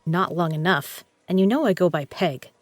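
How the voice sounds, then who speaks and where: A woman's voice: fairly low pitch, moderate pace, no room sound, soft background music, close to an everyday voice. Woman acting a tough, wry gambler, dry close sound. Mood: cold, defiant. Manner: dry, sardonic, blunt. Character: tough, wry female poker legend, blunt and guarded. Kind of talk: audio drama acting.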